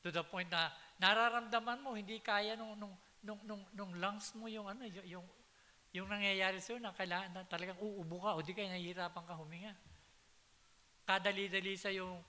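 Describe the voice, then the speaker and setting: A man's voice: high voice, flat delivery, a little fast, sharp tone. A man preaching a sermon in a church, telling stories and switching into English phrases, building to emphatic peaks. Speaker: pastor. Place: church hall. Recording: hiss and long hall reverb.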